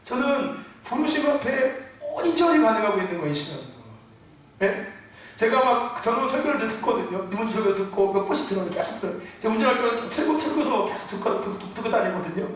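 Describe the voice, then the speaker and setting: A middle-aged man preaching a sermon, calling out to the congregation often and mixing loud emphatic bursts with chuckles. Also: high voice, lively intonation, fast. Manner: emphatic preaching with frequent call-outs to the congregation. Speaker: pastor. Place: church sanctuary. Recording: echoey church hall from far off.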